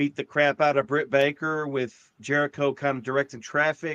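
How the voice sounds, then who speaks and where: Against a quiet background, a man with an American accent speaks at a fairly high pitch, the sound dry and close with no echo. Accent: Texas accent, people remark on it. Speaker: wrestling podcast co-host. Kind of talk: casual chat.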